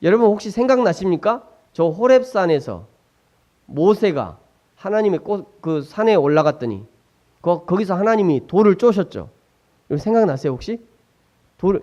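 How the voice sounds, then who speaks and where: A man's voice: high voice, darkish tone. A man preaching a sermon, asking the congregation questions and acting out the quoted lines. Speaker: pastor.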